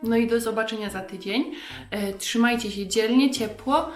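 A woman's voice: fairly high pitch, moderate pace, soft background music. A woman hosting a scripted lesson for children, addressing young listeners directly. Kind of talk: scripted quiz and sign-off for children. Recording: roomy echo.

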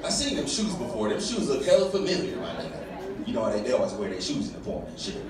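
A man in his thirties doing a stand-up comedy set on a club stage with a handheld mic, loud and animated with profane punchlines. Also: medium pitch, quick pace, distant mic. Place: comedy club stage before a live audience. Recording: roomy club audio, loud crowd laughter.

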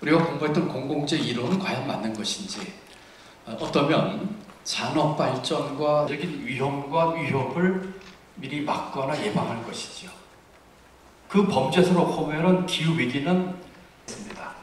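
Man, formal forum speech, measured with hesitant pauses; distant, echoing hall. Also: a little high. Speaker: speaker at a policy forum. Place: large conference hall. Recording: echoey hall mic from afar, faint noise.

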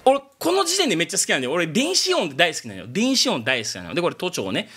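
A man who learned Japanese as a second language, chatting fast through an anime reaction. His voice sits high and very bright, and it swings wildly in pitch as he gets excited and shouts his approval. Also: husky, faint music behind. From outside Japan. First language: not Japanese. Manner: excitable, bursts into loud exclamations. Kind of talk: casual reaction commentary.

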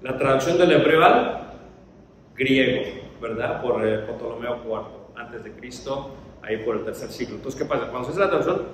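A man's voice: mid-range voice, lively intonation, moderate pace, a little hiss or hum. A man preaching a Bible lesson to his congregation, posing questions and answering them himself. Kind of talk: Bible teaching sermon. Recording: echoey hall, mic far off.

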